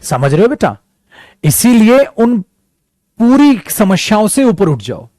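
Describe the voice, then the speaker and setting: A man's voice: sits high, very animated, dark tone, no room sound. A man teaching spoken English with an Indian English accent, mixing Hindi and English and calling his students "beta". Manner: calls students "beta", mixes Hindi and English, slows right down for English examples. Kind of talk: bilingual classroom lesson.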